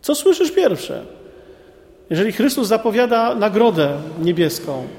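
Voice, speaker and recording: A man preaching to a group of men, reading scripture and commenting on it in a lively, colloquial way with many rhetorical questions. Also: high-pitched, a little slow. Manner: lively, colloquial asides, frequent rhetorical "nie?". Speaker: preacher addressing a men's group. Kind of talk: sermon with Bible reading and commentary. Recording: long hall reverb.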